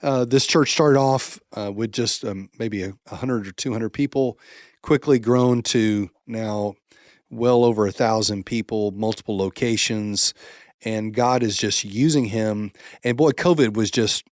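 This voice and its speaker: A man's voice: on the low side, unhurried, darkish tone, no echo, studio quality. A man, a pastor, co-hosting a podcast in casual, enthusiastic chat. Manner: upbeat and enthusiastic.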